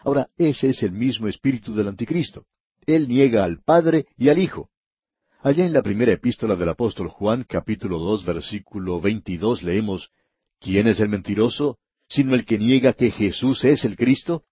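A man teaching the Bible on the radio, measured and emphatic, slowing down to stress key words. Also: fairly low pitch, husky, dry recording. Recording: dull, slightly lo-fi broadcast audio.

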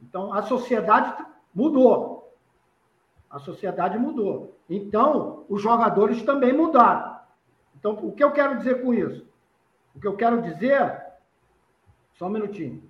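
Male pundit from Recife, high voice, repeats points, dull lo-fi room sound. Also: animated, normal speed, pauses often. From Recife, Brazil. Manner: explanatory, repeats points for emphasis. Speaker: football pundit. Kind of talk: casual panel discussion. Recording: dull lo-fi roomy recording.

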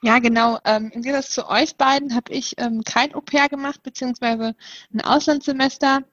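A woman's voice: sits high, steady tone, normal speed, a bit bright, no room sound, dull audio. A woman in her twenties co-hosting a podcast, hesitant, with many fillers. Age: 20s. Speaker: podcast co-host. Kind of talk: casual podcast chat.

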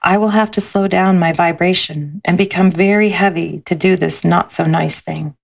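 A kindly, wise soul from a storybook speaks softly and reassuringly, a little higher than the reader's low, gravelly voice, as a woman gives it voice. The delivery is patient and loving. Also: fairly even intonation, moderate pace. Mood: serious. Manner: tender, reassuring.

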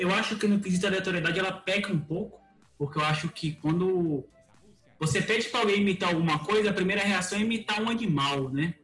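A man with a high voice judges in mock-formal, deadpan jury language. His voice rings in an echoey room, with faint music behind. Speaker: podcast co-host judge.

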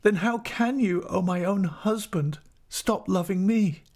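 A man's voice: fairly high pitch, animated, moderate pace, dark tone, slightly rough, pitched above the performer's own voice. A man voicing a desperate, pleading young wife, devoted and frightened, in a dramatic audiobook reading. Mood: anguished devotion. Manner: imploring, emotional.

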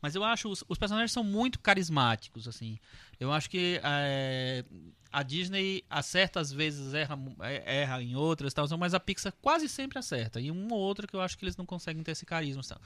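Bright, slightly raised male voice; hesitant, thinks aloud; close dry mic. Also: fairly high pitch, lively intonation, a little fast, no echo. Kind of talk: casual film discussion.

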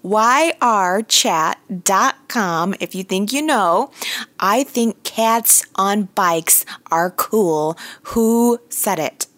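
Slightly raspy woman chatting on a dry mic. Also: medium pitch, expressive, drawn-out words, no echo. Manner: chatty, warm thanks to listeners, many fillers and restarts. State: recovering, a bit hoarse. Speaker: podcast host. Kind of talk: casual solo audio update.

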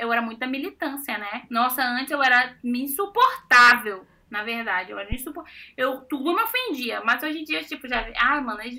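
Woman, young adult, from Brazil, casual chat, self-mocking, bright tone. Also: sits high. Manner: animated storytelling with self-mocking exclamations.

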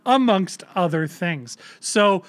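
A man's voice: high-pitched, lively intonation, takes it slowly, clean tone. A man in his thirties co-hosting a parenting podcast in casual, rambling chat, with loose swearing and lots of fillers. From Canada. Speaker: podcast co-host.

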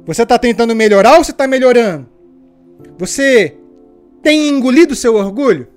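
A woman's voice: on the high side, normal speed, soft background music. A woman preaching a sermon, telling stories with energy and asking her listeners pointed rhetorical questions. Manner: lively storytelling, asks rhetorical questions.

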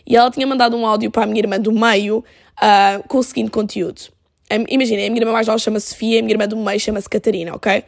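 A young woman with a European Portuguese accent hosting a casual solo podcast, animated and dropping in English phrases. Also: medium pitch, very fast, gravelly, no room sound, studio quality. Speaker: podcast host.

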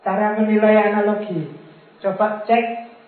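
A man's voice: high voice, steady tone, unhurried, faint music behind. A man giving an informal religious lecture, teasing his listeners with playful examples. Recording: tinny, echoey, far from mic.

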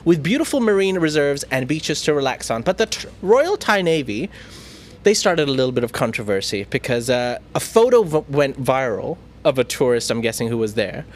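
A man's voice: mid-range voice, big pitch swings, normal speed. A man hosting a casual news chat, talking in a playful, teasing way with plenty of fillers. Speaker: news show host.

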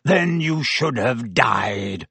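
A man's voice: medium pitch, very animated, a little slow, vocal fry, breathy edge, dry recording, full character voice. A man voicing a furious, vengeful man for an audiobook, bitter and menacing, with a roaring, snarling delivery. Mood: snarling anger.

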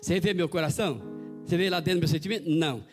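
A male pastor delivers an evangelical sermon, his voice pitched high and his words tumbling out quickly. He tells his stories animatedly and acts out each character's voice, while live guitar music plays clearly behind him in the church. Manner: animated storytelling, acting out quoted voices.

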